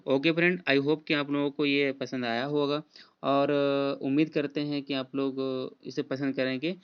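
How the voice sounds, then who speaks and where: A man's voice: mid-range voice, level tone, unhurried, smooth. A man, teaching an exam prep lesson in a casual way, spelling out words letter by letter with many fillers. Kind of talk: spelling quiz walkthrough. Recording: dull lo-fi voice recording.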